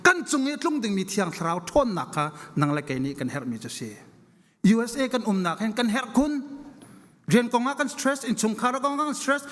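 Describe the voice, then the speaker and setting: High-pitched, fervent male preacher in echoing hall. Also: sing-song, fairly quick, fairly bright tone. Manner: emphatic, repeats phrases for stress. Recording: long echoing hall reverberation.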